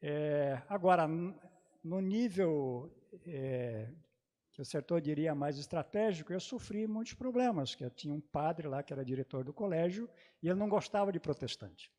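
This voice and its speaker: A man's voice: a little high, animated, mellow. A man from southern Brazil, raised speaking a German dialect, telling his life story on a theology panel with many hesitations. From Brazil, grew up in Santa Catarina. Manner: halting, many hesitations and restarts. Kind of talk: personal recollection in a panel talk.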